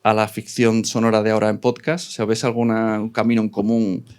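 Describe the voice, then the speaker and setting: A man's voice: lowish voice, level tone, a little fast, a little mellow, smooth. A man moderating a casual live panel discussion, putting questions and points to the others.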